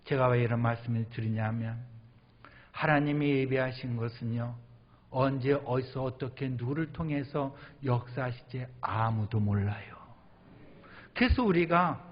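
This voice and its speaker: A middle-aged male pastor preaching a sermon, telling his own stories with animated delivery and acting out his prayers. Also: medium pitch, moderate pace. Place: church sanctuary. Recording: reverberant hall, dull lo-fi sound.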